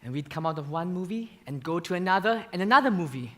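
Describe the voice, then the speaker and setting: A young man acting a stage monologue as a gay male dancer who haltingly confesses his painful past in a theater. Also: sits high, lively intonation, pushed and bright. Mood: hesitant. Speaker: student actor in a stage musical.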